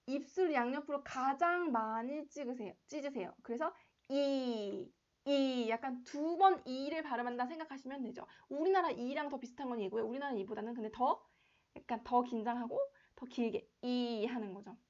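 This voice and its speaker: High-voiced woman teaching pronunciation. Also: normal speed, muffled recording. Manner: animated, demonstrates vowel sounds repeatedly. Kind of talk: casual online lesson.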